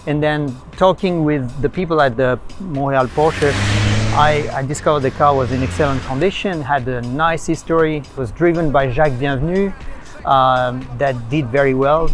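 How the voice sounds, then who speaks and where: Man, French accent, middle-aged, slightly high voice, halting speech full of fillers, music underneath. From France. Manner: hesitant, halting, many fillers. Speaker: car owner guest. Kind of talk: casual interview in a car. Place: inside a car on city streets.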